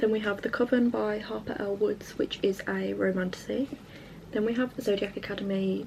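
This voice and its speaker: A woman speaks quietly at a fairly quick pace over noticeable background noise. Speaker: booktuber. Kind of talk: reading vlog talk to camera. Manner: speaking quietly.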